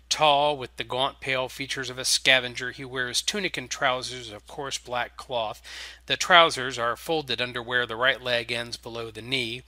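Guy reading a story out loud, kinda theatrical, super crisp bright voice, dry recording. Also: mid-range voice, no room sound. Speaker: narrator. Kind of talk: scripted story narration.

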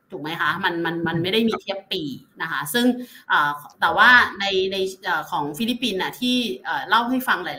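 A woman speaking as a company executive guest, explaining at length with soft particles and frequent restarts. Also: medium pitch. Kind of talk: casual business explanation.

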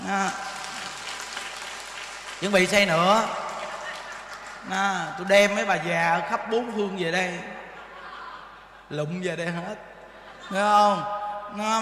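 High, bright male preacher in an echoey hall. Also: a little hiss or hum. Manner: animated, teasing, keeps asking the listeners questions. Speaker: Buddhist teacher. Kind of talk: dharma talk sermon. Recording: echoey hall with long reverb.

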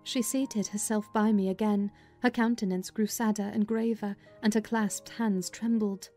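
A woman's voice: mid-range voice, fairly even intonation, moderate pace, dark tone. A woman narrating a dramatized audiobook of a classic novel in the first person. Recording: music under the voice.

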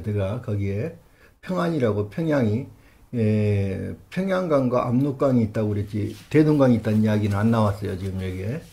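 A man's voice: mid-range voice, vocal fry. A man reading old records aloud and breaking off to argue with them, incredulous and emphatic. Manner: incredulous, argumentative, quick rises to loud emphasis. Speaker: history channel host.

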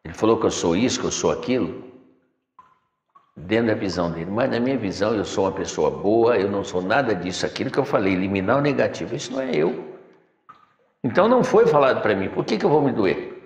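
Animated and quick, a lowish male voice delivers a preachy spiritual talk, addressing listeners as "my son." The middle-aged teacher sits in a chair in a decorated room, recorded from afar by a camera, and the room echoes with long reverb.

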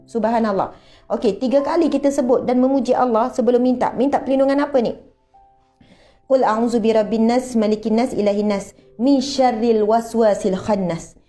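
A middle-aged woman with a Malaysian Malay accent gives a lively, conversational religious lecture full of rhetorical questions. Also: a little high. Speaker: religious teacher.

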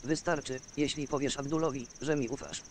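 An actor playing a bold young wandering fighter, the blunt and challenging hero of a fantasy video game. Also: male voice, medium pitch, brisk, natural voice. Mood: defiant. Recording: game audio with clear ambient noise.

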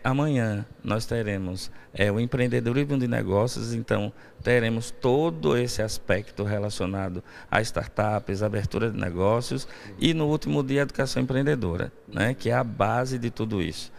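A man's voice: medium pitch, vocal fry. A man in his forties, a university professor, explaining an event in a live TV interview, with many fillers. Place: outdoors on a university campus. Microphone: handheld reporter mic.

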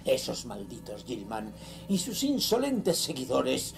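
A man's voice: medium pitch, huge pitch swings, measured pace, vocal fry, faint music behind, heavily acted. An actor playing a ruthless cult leader reading his sinister diary in a horror audio drama, solemn, menacing and theatrical. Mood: bitter, vengeful.

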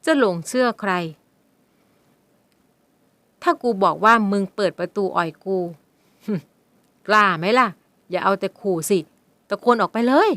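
A woman's voice: medium pitch, very animated, brisk, no room sound, natural voice. A woman voicing a crude, leering young stepfather who taunts and lies with coarse slang. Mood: mocking.

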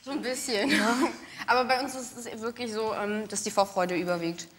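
A woman's voice: a little high, fairly even intonation, normal speed, crowd noise. A young woman from Ukraine who sings in a band, answering with enthusiasm as a guest on a TV talk show. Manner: enthusiastic, affirming, laughs. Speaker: lead singer guest. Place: TV studio stage.

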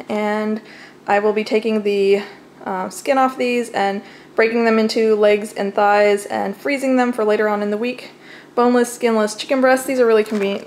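A young adult American woman narrating a casual, chatty home vlog from her kitchen, recorded on a camera mic. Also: a little high. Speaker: home vlogger showing groceries. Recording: clearly noisy home camera audio.

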